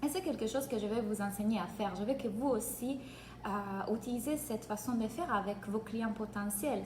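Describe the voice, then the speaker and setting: Italian woman coaching live, kinda high voice, echoey room w faint background hum. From Italy. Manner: energetic, greets viewers by name mid-talk. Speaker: business coach. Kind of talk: live-streamed free training.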